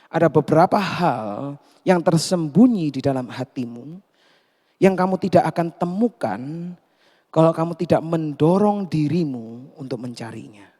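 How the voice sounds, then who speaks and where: A man voicing a gentle, loving father who speaks softly and tenderly. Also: a little high, expressive, normal speed. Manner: soft, hushed, tender. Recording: long hall reverb.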